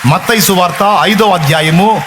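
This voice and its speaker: Impassioned male preacher, high-pitched. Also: normal speed, noisy background. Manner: impassioned preaching with rhetorical questions. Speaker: pastor. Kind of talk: sermon.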